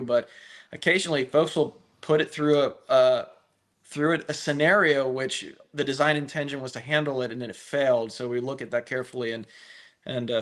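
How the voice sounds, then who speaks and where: A man from a firearms company, answering interview questions at length in a talkative, conversational way with frequent restarts. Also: mid-range voice. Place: live stream call.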